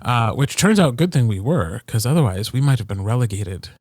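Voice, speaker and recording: A man's voice: medium pitch, sing-song, fairly quick, darkish tone, no echo, studio quality. A man co-hosting a podcast in casual chat, with wry, self-deprecating humor. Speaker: podcast co-host. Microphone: close podcast microphone, dry sound.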